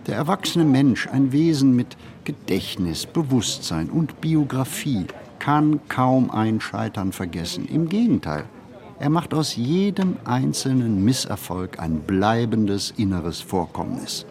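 A man playing a pensive city wanderer in a radio play, narrating a literary monologue with deliberate, measured phrasing and pauses. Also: mid-range voice, sing-song, a little mellow. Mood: musing. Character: pensive male city wanderer musing on modern life. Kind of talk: scripted literary monologue, reflective first-person narration.

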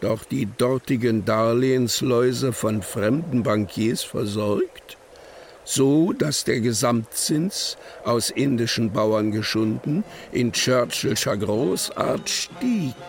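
An actor playing an imprisoned poet in a radio play, reciting solemnly with weighty pauses and a creaky voice. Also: male voice, medium pitch, a little hiss or hum. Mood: bitter, declamatory. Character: imprisoned male poet, brooding, defiant, incantatory. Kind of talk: German literary radio play, dramatic poetic recitation.

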